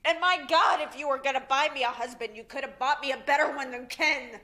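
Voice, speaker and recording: An actress playing a wealthy man's unhappy grown daughter, sharp and accusing. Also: high voice, fairly quick. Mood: bitter.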